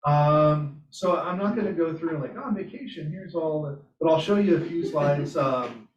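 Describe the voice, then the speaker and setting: A man's voice: on the high side, moderate pace. Echoey, distant man telling project stories. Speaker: presenter at a robotics club meetup. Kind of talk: informal project presentation, anecdotal. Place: meeting room at a hybrid club meetup. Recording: echoey room, distant mic, muffled sound.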